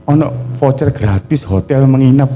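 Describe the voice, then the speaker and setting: A male pastor with a Javanese accent preaching a sermon, humorous and animated, dropping in local words and playful asides. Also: medium pitch, moderate pace. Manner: animated and humorous, acts out quoted prayers.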